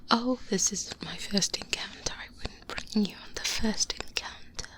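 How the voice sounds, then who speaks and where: A woman playing a calm, cautious, seasoned vampire hunter mentoring a trainee, speaking softly and breathily with murmured pauses in an ASMR roleplay. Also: mid-range voice, close to an everyday voice. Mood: cautious, confiding. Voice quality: soft, breathy whispering. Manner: slow, hesitant, murmured pauses and hums. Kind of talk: soft-spoken ASMR roleplay. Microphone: close binaural microphone. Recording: close-up binaural with clear background noise.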